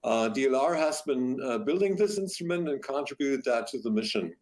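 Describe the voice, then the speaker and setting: A man from Germany, a lead scientist, speaking at a science press briefing in a measured way with some fillers. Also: mid-range voice, animated, a little mellow.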